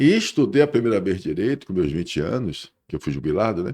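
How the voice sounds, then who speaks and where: On a very clean recording with a silent background, a man with vocal fry talks at a fairly quick pace, his pitch swinging very widely. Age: 60s. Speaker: podcast host. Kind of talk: conversational interview. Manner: animated.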